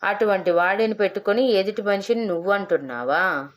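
A woman voicing an angry young man back from America, shouting and scolding in a storybook reading. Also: mid-range voice, fairly quick, lightly acted.

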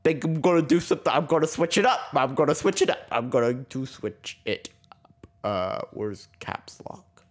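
A young man who hosts a gaming channel gives casual let's-play commentary on a game he's playing, his mid-range voice animated and his pace moderate. He has a sore throat and a slight cough, and his remarks ramble and poke fun at himself while he chuckles often.

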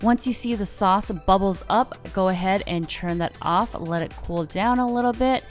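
A woman in her thirties talks viewers through her weekly meal prep in a casual, friendly voice-over. Her voice sits at a middle pitch and stays easygoing, with upbeat lifts when she recommends something. Quiet music plays underneath. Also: normal speed. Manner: friendly, relaxed instructional talk with upbeat lifts. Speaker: lifestyle vlogger. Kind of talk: cooking voice-over, casual how-to.

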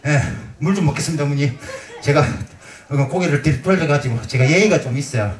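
A man's voice: fairly high pitch, brisk. A man performing as a pumba street entertainer, out of breath, joking and teasing the crowd on an outdoor festival stage. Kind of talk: live comic stage banter. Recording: roomy, distant, crowd noise.

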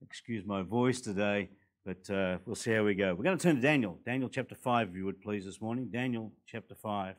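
An older man in his sixties with an Australian accent, a guest preacher at a church pulpit, a little hoarse from a recent cold, building to forceful, emphatic preaching. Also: fairly low pitch, a little fast. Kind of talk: sermon. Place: church hall, indoors. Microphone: pulpit microphones.

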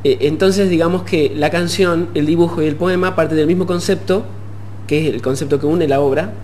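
A young Argentine man with a fairly high voice speaks as an interview guest. He explains things in halting phrases, with faint noise and hum behind him. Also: steady tone, darkish tone. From Puerto Madryn, Argentina. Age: young adult. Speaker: musician guest. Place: TV studio. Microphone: desk gooseneck microphone.

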